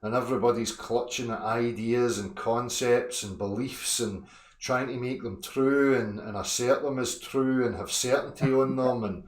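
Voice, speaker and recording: A man's voice: medium pitch, fairly even intonation, normal speed. A man in a casual online chat, agreeable but blunt, often swearing. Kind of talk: casual chat on an open call-in platform. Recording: echoey room.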